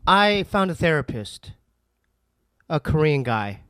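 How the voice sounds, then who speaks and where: A man with a fairly high, smooth voice talks hesitantly, filling gaps with "um" and short laughs. The sound is close and dry, with no room around it. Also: sing-song, slow pace, a bit bright, dry recording. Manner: hesitant and confessional, with fillers and nervous laughs. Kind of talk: casual chat.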